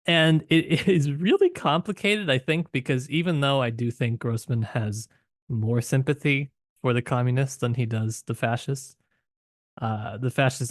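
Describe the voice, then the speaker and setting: A male podcast host with a mid-range voice, recorded dry and close. He talks casually about literature, working through his thoughts haltingly and qualifying them as he goes. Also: mid-range voice, dry recording. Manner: halting, thinking aloud, trailing qualifications.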